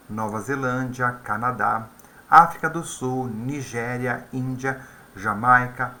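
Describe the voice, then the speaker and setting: A man's voice: mid-range voice, bright, forceful tone, a little hiss or hum. A man teaching an English lesson in a conversational way, often tagging his sentences with questions. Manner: conversational, with frequent tag questions. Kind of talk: video lesson explaining vocabulary.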